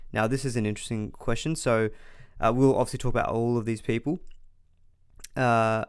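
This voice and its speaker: A man's voice: mid-range voice, clear, resonant tone, dry recording. Thirties male host, mild cold congestion, casual chatty delivery, dry close sound. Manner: chatty, reads viewer comments aloud, frequent restarts. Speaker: fantasy sports live stream host. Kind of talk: casual live stream chat.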